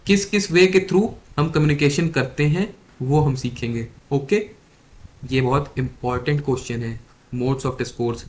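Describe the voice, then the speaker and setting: A young male exam tutor teaches a lesson in a blend of Hindi and English, slowing down to repeat key definitions and quizzing his listeners again and again. His voice is medium in pitch with a darkish tone.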